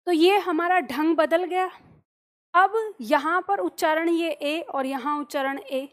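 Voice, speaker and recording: Teaching grammar, a woman with a high voice explains things patiently through simple examples from daily life. She keeps putting questions to her students and responding to them on her own.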